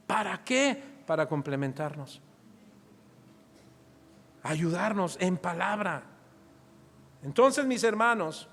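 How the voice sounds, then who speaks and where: Speaking with a Mexican Spanish accent, the middle-aged pastor preaches in a high-pitched, slightly bright voice. His sermon mixes rhetorical questions to the congregation with acted-out scenes of family life, recorded in a reverberant church hall.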